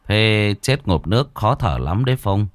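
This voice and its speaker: A composed young exorcist, played by a man gives orders in a low, even voice. He speaks unhurried and firm, with lively turns of phrase, recorded dry and close for a spoken ghost story. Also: no room sound. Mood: commanding. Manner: measured, commanding, steady. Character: calm, authoritative young male exorcist.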